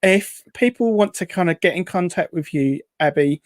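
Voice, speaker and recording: A man's voice: high-pitched, moderate pace, no echo, clean studio sound. A man hosting a casual interview, hesitant and rambling, who says w for r. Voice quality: weak r sounds, says w for r. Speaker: host.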